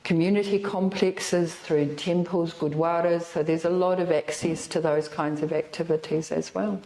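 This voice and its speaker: A woman with a New Zealand accent answers interview questions in an earnest, friendly way, pausing with frequent fillers. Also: lowish voice, steady tone, mellow, echoey room, low-quality recording. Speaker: institute representative.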